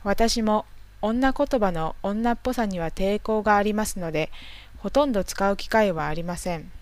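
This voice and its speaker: A woman from northeastern Japan narrating a language lesson in a calm, measured, explanatory way. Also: mid-range voice, dry recording. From Tohoku, Japan. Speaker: language teacher.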